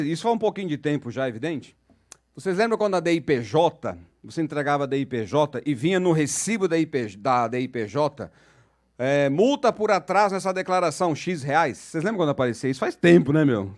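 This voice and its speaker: A middle-aged man with a São Paulo accent, moderating a panel in an auditorium and telling a jokey story to the audience. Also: on the high side. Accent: São Paulo Portuguese. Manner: chatty, jokey, asks the crowd questions.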